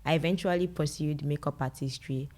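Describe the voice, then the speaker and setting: A woman's voice: low voice, steady tone, brisk, a little mellow. A young woman with a Nigerian accent, answering conversationally as an interview guest. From Lagos, Nigeria. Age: young adult. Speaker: interview guest, medical doctor and content creator.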